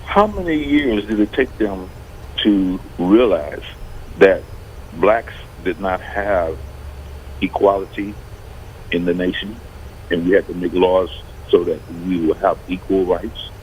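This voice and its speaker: Low-voiced man asking measured questions. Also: a little mellow, a little hiss or hum, rough recording. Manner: poses questions in measured, deliberate phrases. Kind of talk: radio talk show discussion.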